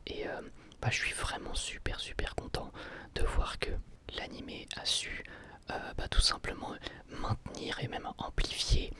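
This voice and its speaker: A man giving an ASMR review in a breathy, voiceless whisper, enthusiastic, often repeating words as he searches for phrasing. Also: unhurried, bright, forceful tone. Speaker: ASMR video creator reviewing anime.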